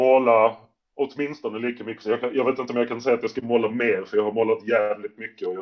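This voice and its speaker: This man has an unremarkable speaking voice. His pitch is medium and its variation is ordinary. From Skåne, Sweden (Lund). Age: 30s. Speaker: graffiti artist. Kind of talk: casual interview.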